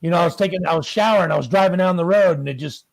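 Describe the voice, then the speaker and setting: A man's voice: high-pitched, rapid-fire, gravelly, no room sound. A man in his fifties or older chatting casually as a musician guest, acting out bits of dialogue. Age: 50s or older. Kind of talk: casual chat.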